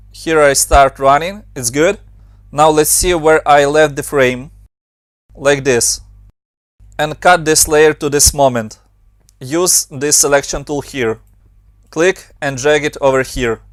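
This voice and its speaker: A young man from Ukraine with a Ukrainian accent, calmly talking through a software tutorial step by step. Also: a little high, dry recording, clean studio sound. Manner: steady step-by-step instructions in non-native English. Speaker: motion design tutor. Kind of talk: screen-recorded software tutorial.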